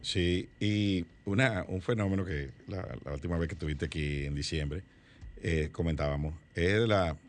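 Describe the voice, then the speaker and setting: A man's voice: low-pitched, moderate pace. A man who hosts a studio discussion, often agreeing briefly before adding his own points. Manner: affirming backchannels, then builds his own points. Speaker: host.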